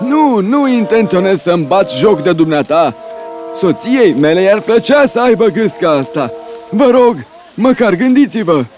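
A cheerful old man in a cartoon, with a high voice that leaps up and down. He talks eagerly and politely, and soft music plays behind him. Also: sing-song. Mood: excited, pleading. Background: background music.

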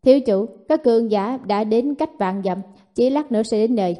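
A woman's voice: fairly high pitch, moderate pace, mellow, natural voice. A woman voicing a powerful male guardian who gives terse, clipped warnings to his young master. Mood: urgent.

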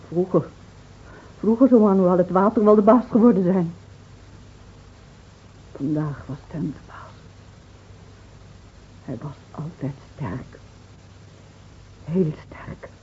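An actress playing a grieving, reproachful village woman in a Dutch radio drama, speaking with halting solemnity. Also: fairly low pitch. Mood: mournful, bitter. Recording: dull, faintly noisy old radio recording.

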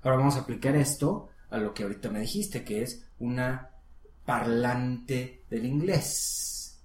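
Woman tutor, patient, models words slowly; roomy echo. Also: a bass voice, darkish tone. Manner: patient, coaching, models pronunciation. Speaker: English teacher. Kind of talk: one-on-one language lesson. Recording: echoey room.

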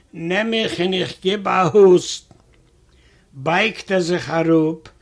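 A man's voice: high voice, vocal fry, fairly bright tone. A man reading a comic first-person story aloud in a chatty manner, retelling a quarrel and repeating "I say" again and again.

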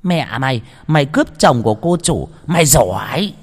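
A spiteful young maidservant, as a male narrator puts her on, voiced very high and shrill, stammering as she sneers or begs. A long reverb trails each line of this storybook audio drama. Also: sing-song, normal speed, breathy edge. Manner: stammering, sneering then begging. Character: spiteful young female servant, groveling.

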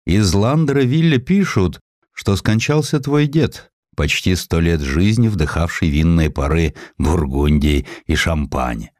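Earthy old father, a Parisian tradesman played by a male narrator: paternal, emphatic, swooping widely in pitch, storybook drama. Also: expressive, unhurried, darkish tone, dry recording, clean studio sound. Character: gruff, earthy old Parisian soap-maker father advising his son.

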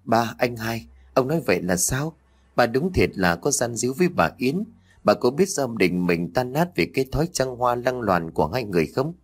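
A man's voice: sing-song, moderate pace, breathy edge. A man voicing a timid, frightened young village woman who pleads with her family. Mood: distraught. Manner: anxious, pleading, high-pitched.

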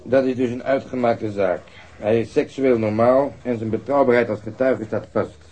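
An actor in a radio drama playing a cynical, dismissive police detective with a blunt, sardonic, terse way of talking. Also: male voice, mid-range voice, fairly even intonation, normal speed, mellow, natural voice, low-quality recording.

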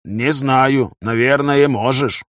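Man acting a fantasy tribal girl, terse, grumbling, earnest, pitched up from a male register, dry audiobook recording. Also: normal speed, dry recording, natural voice. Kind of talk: audiobook character dialogue.

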